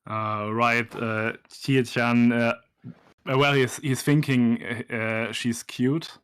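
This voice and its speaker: A man with a smooth, clear voice at an average pitch takes part in an online lesson as a student. He reads and translates tentatively, in a halting, hesitant manner. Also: flat delivery, fairly bright tone. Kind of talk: tentative reading aloud and translating.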